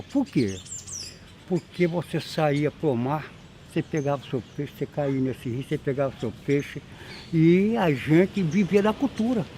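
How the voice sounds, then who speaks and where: A man's voice: fairly high pitch, mellow, slight background noise. A man in his eighties, a local resident telling old stories about his village in a folksy, emphatic way that repeats itself. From Espírito Santo, Brazil. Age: 80s. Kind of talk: storytelling interview.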